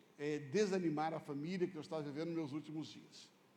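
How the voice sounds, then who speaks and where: Ordinary pitch variation marks this man's high-pitched voice, with audible room echo. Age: 60s. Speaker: pastor. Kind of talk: sermon testimony.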